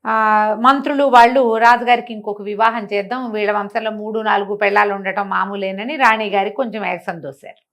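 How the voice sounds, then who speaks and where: An older woman telling a traditional story in a chatty, animated way, adding her own comments. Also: mid-range voice, fairly quick. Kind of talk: oral storytelling with asides.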